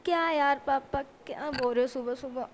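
A woman's voice: high voice, normal speed, voice pushed up, close to an everyday voice. A young performer acting as a sulky teenage boy who whines and complains to his parents. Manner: whiny, complaining.

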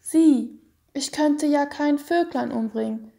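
A woman voicing a small, frightened boy in a storybook reading, pleading in a high, crying voice. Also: slow, vocal fry, mellow, full character voice.

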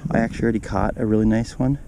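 A man's voice: fairly low pitch, fairly even intonation, rapid-fire. A man casually narrating his ice fishing to viewers, recorded on a body-worn action camera outdoors on a frozen lake. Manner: chatty, talks to viewers as "you guys". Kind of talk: casual play-by-play commentary. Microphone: body-mounted action camera. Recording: outdoor wind noise on the mic.

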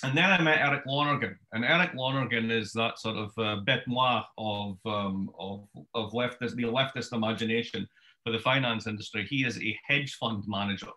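A Scottish man in his fifties speaks with a bright, forceful tone. He tells his story in a brisk, wry way, like a lecturer talking from his home study. The sound comes through a webcam on a video call. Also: lowish voice. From Scotland. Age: 50s. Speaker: author giving a book talk. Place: home study with bookshelves, indoors.

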